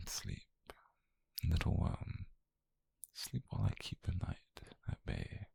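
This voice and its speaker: Man performing a obsessive mafia boyfriend, British accent, slow-paced, very husky half-whisper, calm menace, possessive tenderness, close dry ASMR mic. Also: low voice, no echo, full character voice. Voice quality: breathy, gravelly half-whisper. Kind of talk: intimate ASMR roleplay. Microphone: close microphone, dry.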